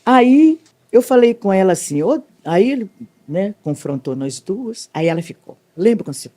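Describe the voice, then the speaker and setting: A middle-aged woman, telling an emotional faith testimony as a guest, animated and wide-ranging in pitch, often tagging "né". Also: moderate pace. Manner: animated, swings widely in pitch, leans on "né" tag questions.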